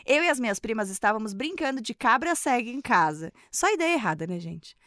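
A woman co-hosting a podcast, excitable and nervously giggly, chatting and reading a listener's story aloud. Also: a little high, a little fast, no echo, studio quality. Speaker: podcast guest co-host.

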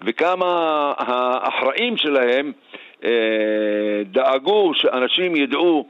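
A man's voice: mid-range voice, expressive, dry recording. A retired senior police officer explains his view firmly, step by step, in a plain mid-range voice. The line is dull and muffled, with a dry close sound. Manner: firm, explanatory, measured. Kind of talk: radio interview by phone.

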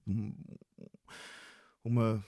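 A stand-up comedian guest with a European Portuguese accent draws out his words in a lowish, level, mellow voice. He stutters, repeating and blocking on words as he animatedly tells casual stories about his stand-up shows during an interview. The recording is dry and of studio quality.

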